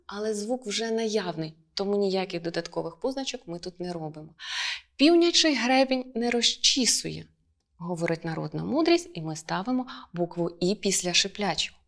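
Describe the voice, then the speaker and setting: A woman teacher explaining spelling rules in a lesson, clear and measured, stressing each example word. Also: lowish voice.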